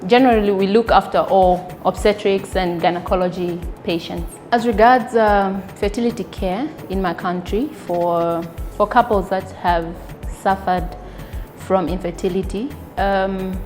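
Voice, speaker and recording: A woman from Zambia, an obstetrician-gynecologist giving an earnest, measured testimonial with frequent pauses. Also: mid-range voice, steady tone, a little mellow, soft background music. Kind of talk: spoken testimonial.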